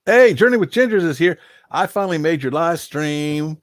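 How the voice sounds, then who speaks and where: A man's voice: fairly high pitch, animated, normal speed, no room sound, studio quality. An older man hosting a casual live stream, rambling in a folksy way and reading out viewer names, a little nasal from allergies. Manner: rambling, folksy, chuckling asides.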